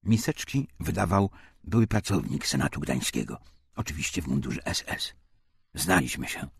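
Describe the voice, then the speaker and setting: A man reading a wartime memoir as an audiobook narrator, in a husky, gravelly voice. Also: a bass voice, very animated, moderate pace, dry recording, studio quality.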